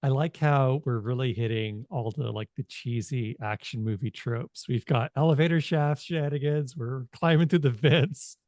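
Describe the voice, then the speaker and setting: A man speaking in a halting, informal way as he narrates a tabletop game as game master. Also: mid-range voice, darkish tone, no echo, studio quality.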